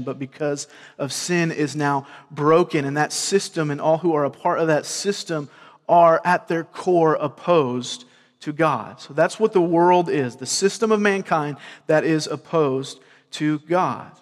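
A man with a Southern US accent preaches in a conversational, earnest tone, repeating words as he works through his point. His voice sits a little higher than most men's. The sound carries a long reverb from the church hall. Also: measured pace. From grew up in California and Georgia. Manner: earnest, repeats words, asks the crowd "right?". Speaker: pastor. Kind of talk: sermon.

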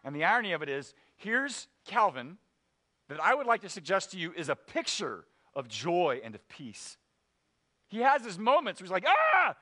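A man preaching a sermon, his voice bright and forceful. He tells the story with animated energy, then sinks low and quiet for the serious points. His voice sits a touch higher than most men's. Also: normal speed. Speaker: pastor.

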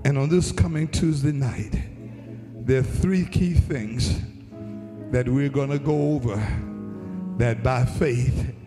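A man with an African American accent preaching a fervent church sermon in emphatic, repeated, drawn-out phrases that can rise toward a shout. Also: medium pitch. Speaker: pastor preaching. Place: large reverberant church hall. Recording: long hall reverb, music under the voice. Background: musical instrument playing under the preaching.

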